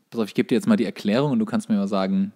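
A man's voice: fairly low pitch, dark tone. A man co-hosting a comedic podcast, teasing and quizzing in a casual, wry way. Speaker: podcast co-host. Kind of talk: casual comedic banter, quizzing his co-host.

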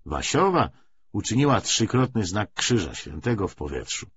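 A man narrating a literary audiobook in a measured, expressive way. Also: on the low side, slightly rough, dull audio.

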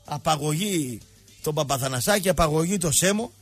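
A man's voice: fairly high pitch, animated, husky, faint music behind. A male radio show host rambling through mocking, jokey sports banter.

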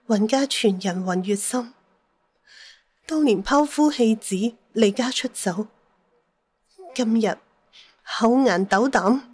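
A woman playing a solemn, loving middle-aged mother who leads a mystic clan, speaking in a measured, earnest way in an audio drama. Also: fairly high pitch, darkish tone, husky, exaggerated voice. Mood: humble, emotional. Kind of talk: Cantonese audio drama acting.

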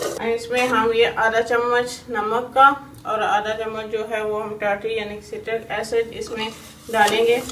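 Pakistani-accented woman, home cooking narration, homely filler-heavy talk, faint hiss, distant echoey recording. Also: a little high. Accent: Urdu-speaking Pakistani. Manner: homely, repeats filler "jo hai" constantly. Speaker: cooking channel host. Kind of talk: step-by-step recipe narration. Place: home kitchen.

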